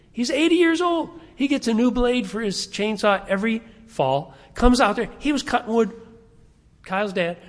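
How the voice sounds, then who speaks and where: A man's voice: high voice, big-room sound. A man in his sixties preaching a conversational sermon to his congregation, often putting questions to them. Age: 60s. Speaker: pastor. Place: church sanctuary.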